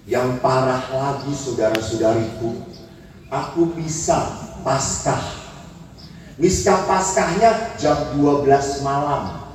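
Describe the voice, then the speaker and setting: A man's voice: medium pitch, takes it slowly, darkish tone. A man in his fifties, a Catholic priest from Indonesia, giving a sermon with humorous stories and acted-out quotes. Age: 50s. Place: large church. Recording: echoey church hall, from far off, faint noise.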